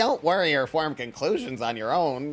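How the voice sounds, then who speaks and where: A man's put-on character voice, fairly high in pitch, with lively intonation and a moderate pace. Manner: stilted, dramatic.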